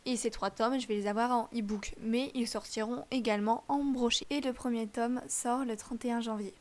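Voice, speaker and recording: A woman's voice: fairly high pitch, steady tone, normal speed, a little mellow. A young woman adding a casual, self-mocking note to her video. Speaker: book vlogger adding an editing note. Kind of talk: casual aside.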